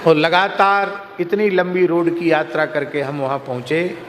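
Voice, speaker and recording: A katha preacher gives a religious discourse, telling lively stories and anecdotes to his listeners. His voice is on the high side and a little slow, recorded in a reverberant hall with faint noise.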